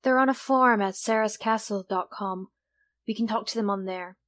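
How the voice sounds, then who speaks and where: Practical, medium-pitched heroine, played by a woman. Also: moderate pace, fairly bright tone, lightly acted.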